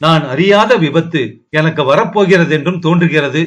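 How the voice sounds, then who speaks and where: A man's voice: on the high side, normal speed, a bit bright, close to an everyday voice. A man reading the lines of a young princess, fearful and tearful, in a pleading, sorrowful way, with little change from his own voice.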